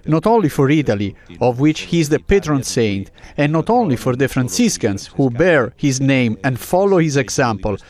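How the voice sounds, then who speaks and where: A man's voice: medium pitch, very animated, moderate pace, hardly any pauses, darkish tone. A man reading a scripted translation as a news voice-over. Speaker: voice-over interpreter.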